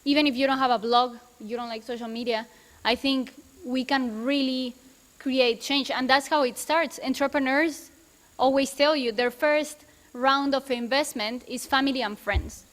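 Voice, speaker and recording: Female panelist, notably high voice, emphatic and idealistic, speaking live in a reverberant hall. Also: fairly even intonation, normal speed, a bit bright. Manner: emphatic, idealistic, repeats phrases. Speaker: debate panelist. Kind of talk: spontaneous persuasive panel talk. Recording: echoey hall, long reverb.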